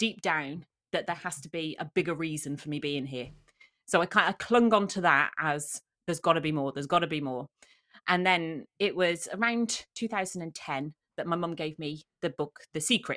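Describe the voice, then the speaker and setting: Very clean, with a silent background, the recording is dry and close with no echo. A woman with a Welsh accent speaks in a bright, sharp tone at a fairly low pitch, a moderate pace and ordinary pitch variation. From Wales. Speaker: life coach and author. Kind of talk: interview conversation.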